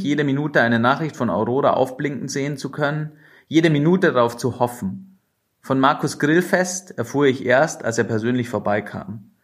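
A man reads a novel aloud in the first person, at a mid pitch for a man. His narration is measured and expressive, in a steady storytelling manner. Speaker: audiobook narrator.

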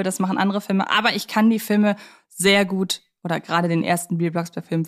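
A woman co-hosting a podcast in a studio, discussing films casually in an enthusiastic, reflective way. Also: medium pitch.

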